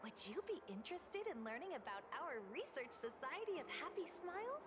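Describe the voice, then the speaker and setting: A woman's voice: high-pitched, big pitch swings, fairly quick, background noise. A woman playing a relentlessly cheerful game recruiter who preaches smiling in an insistently chirpy way. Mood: insistently cheery. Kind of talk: video game voice acting.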